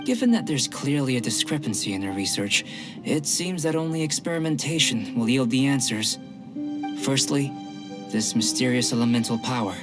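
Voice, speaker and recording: A man voicing a calm young male alchemist in a game, measured, clinical and politely detached. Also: medium pitch, close to an everyday voice. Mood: composed. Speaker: game character. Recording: game audio with music behind.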